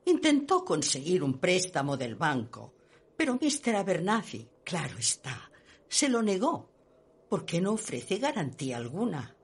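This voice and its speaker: A woman's voice: fairly low pitch, very animated, measured pace, breathy edge, heavily acted. An actress playing a snobbish, gossipy society lady in a radio play, speaking in a haughty, emphatic, theatrical way. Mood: scornful gossip. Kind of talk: Spanish radio play acting.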